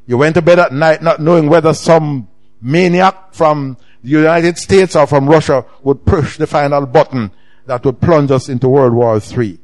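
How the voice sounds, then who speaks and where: Emphatic Jamaican preacher, man. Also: normal speed. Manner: emphatic preaching with sharp swings in pitch and volume. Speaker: pastor. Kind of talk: sermon.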